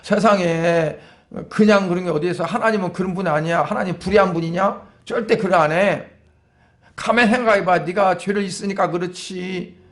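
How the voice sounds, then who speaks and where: A preacher voicing Job's friends, nagging and scolding him to repent. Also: male voice, sits high, fairly even intonation, moderate pace, a bit bright. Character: accusing, preachy male friends of Job.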